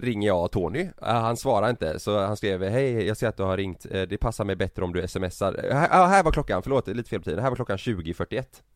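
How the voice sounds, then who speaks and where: A man's voice: on the low side, animated, no room sound, clean studio sound. A man in his thirties, a podcast host, telling a long anecdote in casual chat, laughing and acting out quoted lines.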